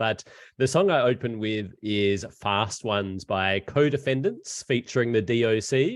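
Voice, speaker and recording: Here a man talks at a medium pitch. His pitch variation is ordinary, and the background is quiet. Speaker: podcast host. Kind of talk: casual chat. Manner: fast.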